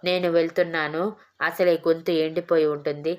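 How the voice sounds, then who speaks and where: An elderly grandfather in an audio story speaks with quiet, good-humoured amusement, as a woman reads him. The voice is low and flat in pitch. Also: fairly quick, lightly acted. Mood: amused.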